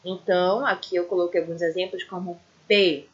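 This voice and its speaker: In a dull, lo-fi recording, a woman gives a patient English lesson on letter sounds, saying each letter slowly and checking in with "ok?" again and again. She has a Brazilian Portuguese accent and a lowish, steady voice.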